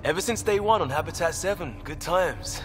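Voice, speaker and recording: A man's voice: a little high, lively intonation, fairly quick, long reverb tail, music in the background, close to an everyday voice. An actor playing a wry, joking young male crewmate in a video game.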